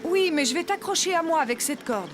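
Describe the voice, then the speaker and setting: High, lively cartoon mother. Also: a little fast, music in the background. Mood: patient, encouraging. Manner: encouraging, reassuring. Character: gentle, patient, reassuring young mother. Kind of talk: children's cartoon dialogue.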